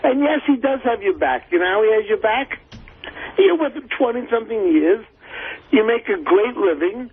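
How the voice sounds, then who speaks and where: A man's voice: sits high, lively intonation, normal speed, husky. A man calling in to a radio show over a thin phone line, insistently explaining his point and repeating himself. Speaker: caller. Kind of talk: unscripted phone-in argument.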